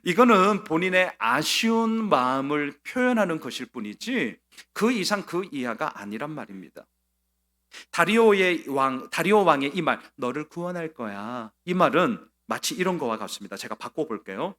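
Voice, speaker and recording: A man preaching a sermon as pastor, acting out quoted lines with sudden swings from soft to loud. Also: sits high. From South Korea. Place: church sanctuary.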